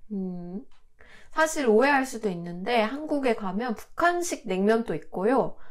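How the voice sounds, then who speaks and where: A woman's fairly high voice moves at a fairly slow pace through very wide pitch swings. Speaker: podcast host and Korean teacher. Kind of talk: casual podcast chat.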